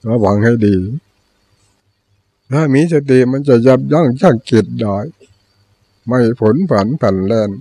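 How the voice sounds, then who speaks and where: Older Thai monk giving a calm Dharma talk. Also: male voice, medium pitch, unhurried, long pauses, dry recording. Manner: plain storytelling with repeated teaching phrases. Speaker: Buddhist monk teacher.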